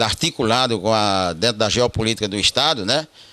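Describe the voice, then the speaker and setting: A bright, sharp-toned voice moves at a fairly quick pace with ordinary pitch variation. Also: man. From Rio Grande do Norte, Brazil. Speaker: former union leader and state deputy. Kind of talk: interview answer.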